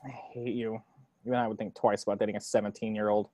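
A man playing a teasing gay roommate of twenty-four at a table read, deadpan and sly. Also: fairly low pitch, fast, lightly acted. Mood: dry, sardonic. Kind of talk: table-read acting over video call.

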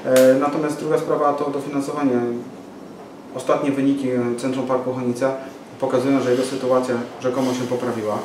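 A man's voice: medium pitch, level tone, a little fast. A man in his forties making a press conference statement, hesitant with many fillers and restarts. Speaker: local party activist at press conference. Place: small office room with window. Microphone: far camera mic. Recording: echoey room from far off, noisy.

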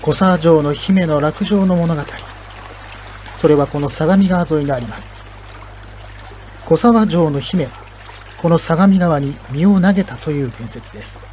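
Casting: male narrator for a legend, fairly high voice, solemn dramatic scripted delivery, soft music behind. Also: unhurried, long pauses.

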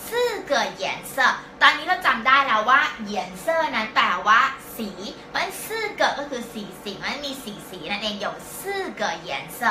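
A woman teaching a live-stream language lesson, patiently explaining step by step and slowly repeating words for learners. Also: fairly high pitch, background noise. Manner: slow, drawn-out repetition of words for learners. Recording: echoey room.

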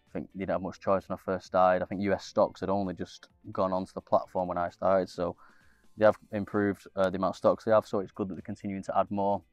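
A young man with a very low, flat voice, slightly nasal and stuffed up from a cold. He rambles casually, circling back with fillers and restarts, recorded dry and close with faint music underneath. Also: quick pace, no echo. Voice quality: a bit nasal. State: congested with a cold. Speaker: investing channel host. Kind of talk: casual screen-share walkthrough.

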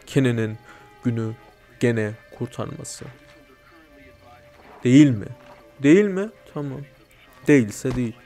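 A man doing let's play commentary, joking and bursting into loud mock-angry swearing. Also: mid-range voice. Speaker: gameplay commentator.

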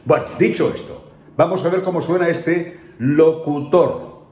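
A man's voice: on the high side, measured pace, a little mellow, a little hiss or hum. Indignant Spanish voice-over man, echoey room. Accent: Spain Spanish. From Spain. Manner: indignant, scolding, emphatic. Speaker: voice-over artist. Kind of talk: opinionated video commentary.

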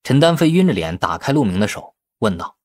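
A man's voice: mid-range voice, big pitch swings, fairly quick, a little mellow, dry recording, studio quality. A man reading a novel aloud as a scripted narration, in the role of audiobook narrator.

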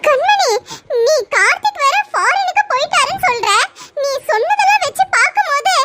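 A woman voicing a caring older sister in a cartoon who gently questions and coaxes. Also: extremely high pitch, animated, moderate pace, noisy background. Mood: coaxing. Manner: coaxing, questioning. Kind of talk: cartoon voice acting.

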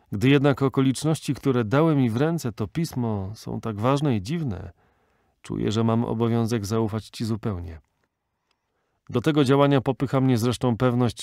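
A man's voice: mid-range voice, a little mellow, dry recording, close to an everyday voice. A man voicing a determined young hero, speaking earnestly in an audiobook with a dry sound.

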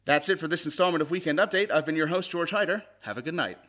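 Higher-pitched man, polished presenter. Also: animated, fast talker, bright, forceful tone. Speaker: voice actor, comedy news host. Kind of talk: polished scripted delivery for commercials and satirical news.

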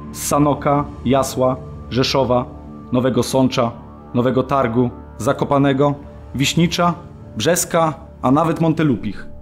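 An actor playing a weary, often-jailed political prisoner, giving a measured, descriptive monologue in a radio documentary drama. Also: male voice, medium pitch, close to an everyday voice.

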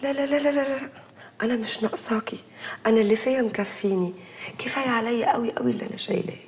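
A middle-aged actress with an Egyptian accent playing a blunt, dismissive aunt who talks brusquely. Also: female voice, a little high, steady tone, fast talker, a little hiss or hum, lightly acted. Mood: brushing off. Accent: Egyptian Arabic. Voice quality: brusque, offhand. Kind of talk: TV drama acting.

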